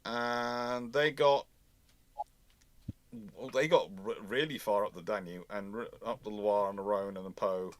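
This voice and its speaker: A man's voice: on the low side, fairly even intonation, measured pace. A man hosting an unscripted live history question-and-answer session, talking discursively and correcting himself as he thinks aloud. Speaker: naval history host answering audience questions.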